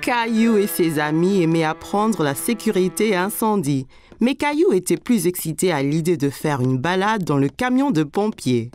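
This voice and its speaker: A woman narrating a French-dubbed children's cartoon like a simple, expressive story for small kids. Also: lowish voice, moderate pace, faint music behind.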